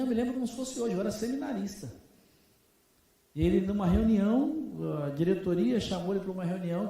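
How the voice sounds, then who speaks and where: A middle-aged pastor from Brazil preaching a sermon to fellow pastors, telling stories with emphatic swings and slowing for repeated refrains. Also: male voice, high-pitched, dark tone. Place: church meeting hall. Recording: very echoey hall.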